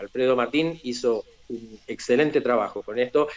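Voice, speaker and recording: Using an unremarkable speaking voice, a man talks at a moderate pace and medium pitch with fairly even intonation. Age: 60s. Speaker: radio drama actor and theatre teacher. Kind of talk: interview.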